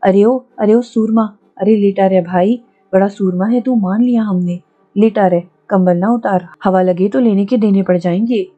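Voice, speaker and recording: A woman's voice: mid-range voice, fairly even intonation, normal speed, dark tone, dull audio, natural voice. A woman voicing a rustic elderly village uncle, blunt-spoken but kindly, fussing and scolding in a folksy way.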